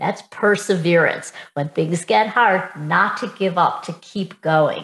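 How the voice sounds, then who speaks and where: At a very slow pace, a woman speaks with medium pitch and a somewhat breathy quality. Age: 70s. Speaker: health coach trainer. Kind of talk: interview. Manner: animated.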